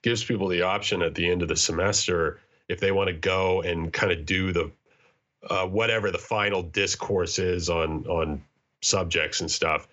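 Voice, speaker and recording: A man co-hosting a podcast in casual, bantering chat, with a wry, joking manner and a halting way of repeating words. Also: deep voice, steady tone, fairly bright tone, dull audio. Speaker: podcast co-host.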